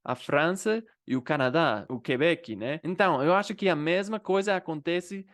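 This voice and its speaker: American male language vlogger, slightly high voice, easy chatty delivery with frequent tag questions. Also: normal speed, a bit bright. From United States. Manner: conversational, often adds "né?" and "entendeu?" as tags. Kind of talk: casual explanatory vlog.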